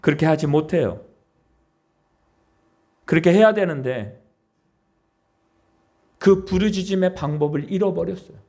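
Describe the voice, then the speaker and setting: A man's voice: on the high side, a little slow, pauses often, mellow. A man preaching a Sunday sermon as pastor, pleading and emphatic, often asking his congregation questions. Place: church.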